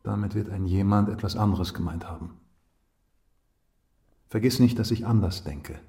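An actor playing a calm, stern and rational male companion in a literary radio drama, measured and admonishing. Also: lowish voice, gravelly. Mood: calm, probing.

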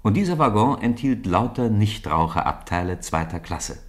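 A man tells a children's story as the narrator of a radio play. His voice sits fairly low and moves with very animated intonation through the scripted text. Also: normal speed.

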